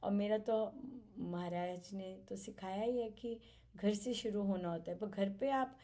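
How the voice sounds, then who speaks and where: A woman softly sharing her spiritual learnings at a family gathering, reflective and halting. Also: medium pitch. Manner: soft-spoken, reflective, halting with fillers and light laughs. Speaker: satsang participant sharing experience.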